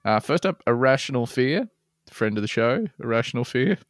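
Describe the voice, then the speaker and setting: A man's voice: mid-range voice, expressive, normal speed, no echo. A man co-hosting a comedy podcast, reading listener mail aloud with dry asides and frequent laughs. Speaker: podcast co-host.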